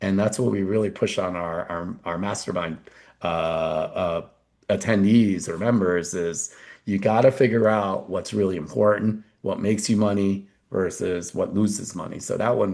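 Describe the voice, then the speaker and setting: A man with a plain, everyday voice and an American accent speaks at a fairly low pitch with fairly even intonation against a quiet background. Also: moderate pace. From New Jersey, US. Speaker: real estate investor and investor group leader. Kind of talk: webinar panel talk, anecdote. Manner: casual, filler-heavy.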